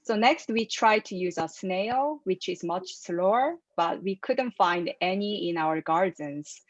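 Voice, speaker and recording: With a fairly low, animated voice and a measured pace, a Korean-speaking filmmaker responds to interview questions in English influenced by her mother tongue. She is careful and earnest, adding gentle laughs between ideas. The video-call audio is dry, dull, and lo-fi.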